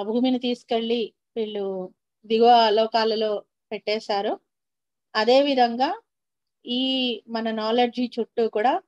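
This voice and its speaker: Female spiritual teacher, fairly high voice, dull dry lo-fi recording, measured delivery. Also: darkish tone, dry recording. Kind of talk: spiritual class talk.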